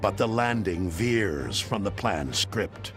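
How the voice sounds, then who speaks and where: A man narrates a documentary from a script, with dramatic phrasing. His voice sits fairly low and moves expressively, with music clearly underneath. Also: animated, slow pace. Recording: studio narration over prominent music.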